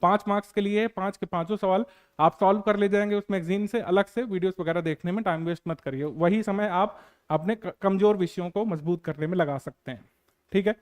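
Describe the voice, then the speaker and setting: A man teaching an exam strategy lesson, giving earnest, repetitive advice with frequent fillers and pauses. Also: high-pitched, clean tone.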